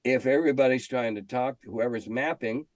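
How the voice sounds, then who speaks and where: In clean studio audio without echo, an older American man answers interview questions at a medium pitch and moderate pace. The longtime game designer and editor shares stories and emphasizes his views by repeating phrases.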